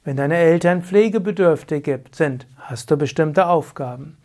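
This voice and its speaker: Calm man giving spiritual teaching. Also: on the high side, normal speed. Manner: calm, instructive, addresses the listener directly with repeated phrases. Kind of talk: spoken spiritual teaching to camera.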